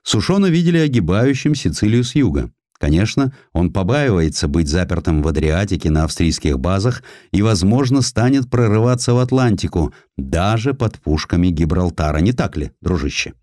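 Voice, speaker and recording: A man's voice: low-pitched, animated, normal speed, few pauses, a little mellow, no echo, clean studio sound. A man playing a self-assured British admiral who muses aloud in an audio drama. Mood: musing.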